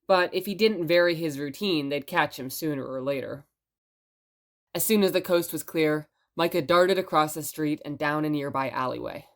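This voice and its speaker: A woman playing a chatty, playful radio host in an audio drama, telling stories in a conversational, wry and expressive way. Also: sits low, lightly acted. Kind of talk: audio drama radio broadcast and scripted narration.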